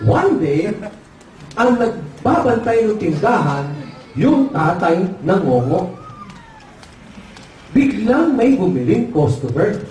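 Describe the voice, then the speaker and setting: Energetic man leading a seminar. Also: sits high, takes it slowly, long pauses. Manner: energetic, leads call-and-response chants. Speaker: seminar speaker. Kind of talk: motivational seminar talk with jokes. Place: large hall with live audience. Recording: echoey hall, far mic, crowd noise.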